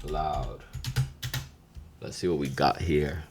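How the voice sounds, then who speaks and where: A man's voice: fairly low pitch, moderate pace, noisy background. A young man hosting a podcast, giving a loose, slangy Spanish lesson, swearing and dropping in Spanish phrases. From Dominican heritage. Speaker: podcast host.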